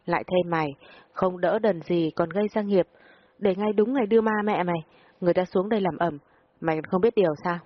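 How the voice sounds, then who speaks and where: A woman's voice: lowish voice, brisk, dry recording, close to an everyday voice. A woman voicing a meddling, pushy middle-aged aunt who nags and scolds, in a storybook reading. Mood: scolding. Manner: nagging, scolding. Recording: muffled audio, faint music behind.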